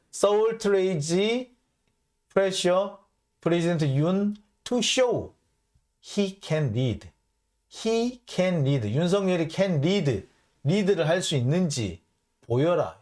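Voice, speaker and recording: Animated Korean commentary host, man. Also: a little high, slow. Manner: animated, mocking, acts out blunt quotes. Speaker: host of a political commentary channel. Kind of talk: solo political commentary reading foreign news.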